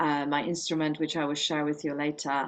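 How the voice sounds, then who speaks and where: The speaker has a Polish accent, and the background is quiet. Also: woman. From Poland. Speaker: singer-songwriter and dance teacher. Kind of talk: podcast interview.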